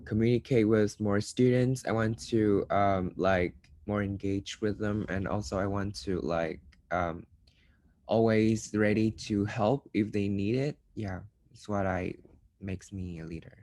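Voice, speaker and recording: A man from Vietnam, a student ambassador, introducing himself in halting sentences full of fillers. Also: lowish voice, steady tone, a little mellow, no echo.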